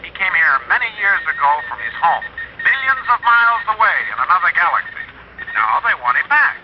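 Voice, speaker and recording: An actor playing an excited radio studio colleague calling in about the message. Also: male voice, sits high, brisk. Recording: dull old radio recording with hiss.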